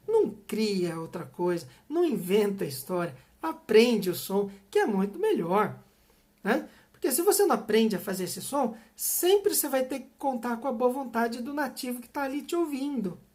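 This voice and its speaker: A woman's voice: medium pitch, a little mellow. Middle-aged Brazilian woman, pronunciation teacher, speaks to camera, firm and emphatic with tag questions. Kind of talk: teaching, direct address to viewers.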